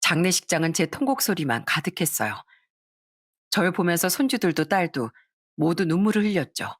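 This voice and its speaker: A woman narrating a first-person family story in a measured scripted read. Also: fairly low pitch, no echo, clean studio sound.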